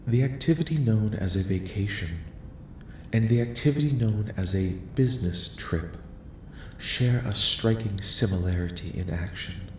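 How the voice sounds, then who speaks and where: A man voicing a curious, polite, detached alien researcher in a soft-spoken ASMR roleplay, questioning in formal, clinical, measured phrases. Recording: echoing voice with faint rumbling noise.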